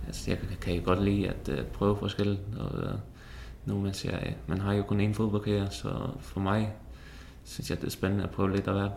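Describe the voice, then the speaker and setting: A man speaks at a moderate pace. Room echo can be heard around his voice. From Faroe Islands. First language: Faroese (speaking Danish). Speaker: professional footballer. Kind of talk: podcast interview. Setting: studio. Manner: hesitant, many fillers.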